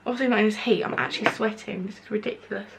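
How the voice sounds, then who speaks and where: A woman's voice: medium pitch, steady tone, racing, vocal fry, a little hiss or hum. A young woman chatting her way through a makeup review. She sounds nasal and stuffed up, with a sore throat from hay fever, and fills her talk with lots of "like"s. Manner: chatty, rambling, many filler "like"s. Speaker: beauty vlogger. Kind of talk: casual product review while applying makeup. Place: indoors at home, window open.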